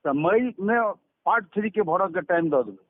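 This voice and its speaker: A man's voice: sits high, animated, moderate pace. A man working as a university examination controller, giving brief, matter-of-fact answers on a phone call. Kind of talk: phone conversation. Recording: dry tinny phone line.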